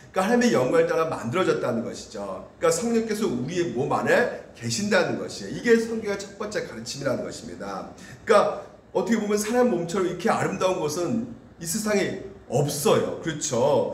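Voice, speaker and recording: Audible room echo and noticeable background noise surround the recording. A man talks at a fairly quick pace. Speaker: pastor. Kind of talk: sermon. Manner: fast.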